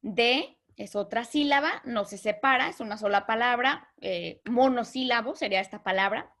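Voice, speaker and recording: A woman teaching a literature lesson, patiently explaining terms and slowly counting out syllables. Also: fairly high pitch, fairly bright tone.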